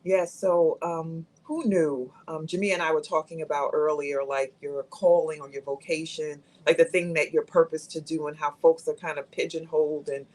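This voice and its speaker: A woman's voice: deep voice, steady tone, moderate pace, hardly any pauses, a little mellow, low-quality recording. A woman in her fifties speaking candidly as a guest on a live talk show, reflective and thoughtful. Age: 50s.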